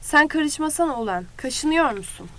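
A woman voicing a short-tempered young male brawler who snarls his words out fast. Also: high-pitched, expressive, pushed and bright, pitched above the performer's own voice. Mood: snarling. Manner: snarling, quick, aggressive.

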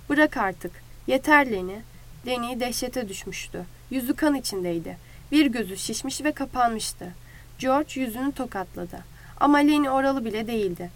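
A woman narrating a novel aloud in a vivid, dramatic storytelling style. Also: on the high side. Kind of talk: audiobook narration.

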